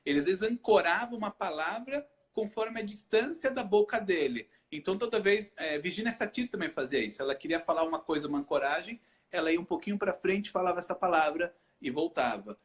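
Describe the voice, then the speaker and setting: A Brazilian man with a notably high voice hosts a live chat as a hypnotherapist. He explains in a lively way, firing off rhetorical questions and answering them himself. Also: a little fast, hardly any pauses. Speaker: hypnotherapist host.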